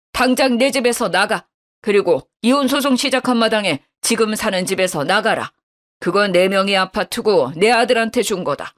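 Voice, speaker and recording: A woman's voice: medium pitch, natural voice. A woman voicing a stern older father-in-law who gives curt, unforgiving orders.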